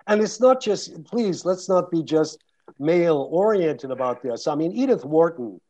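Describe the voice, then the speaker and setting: A man's voice: fairly high pitch, expressive, unhurried, dark tone. A man, an audiobook narrator, answering audience questions in a thoughtful way, often stopping and restarting his sentences. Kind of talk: panel Q&A answers. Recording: muffled lo-fi recording.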